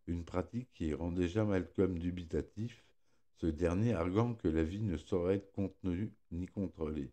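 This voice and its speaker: A man with a low-pitched, mellow voice presents a film chronicle from a script. His articulation is slightly impeded, as from a sore tongue, and he now and then trips over a word and corrects it. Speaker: presenter of a film review segment. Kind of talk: scripted narration read aloud, film chronicle.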